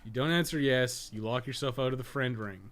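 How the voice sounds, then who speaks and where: A man's voice: medium pitch, fairly quick, a bit bright. A man giving casual, rambling live-stream game commentary, swearing and joking with his chat as he plays.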